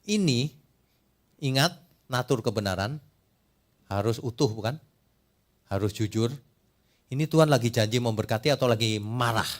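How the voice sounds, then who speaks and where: A middle-aged man from Indonesia preaching a sermon as pastor, animated and teasing, firing rhetorical questions at the congregation and acting out quoted voices. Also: normal speed, long pauses. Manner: acts out quoted voices in a higher pitch.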